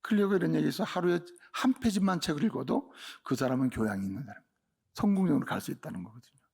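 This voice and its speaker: A man preaching a sermon as a pastor, with emphatic delivery that swings between raised and hushed passages. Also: on the high side, expressive, quick pace, vocal fry, husky.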